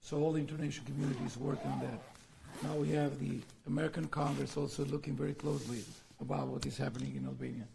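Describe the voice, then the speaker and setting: Hoarse man with a gravelly voice. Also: mid-range voice, steady tone, fast talker, noisy background. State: hoarse, lost voice. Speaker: politician adding remarks. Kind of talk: formal statement at a meeting.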